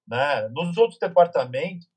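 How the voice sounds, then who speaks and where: Guy on a video call, kinda husky, higher voice, slow to find his words. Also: animated. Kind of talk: casual live panel chat.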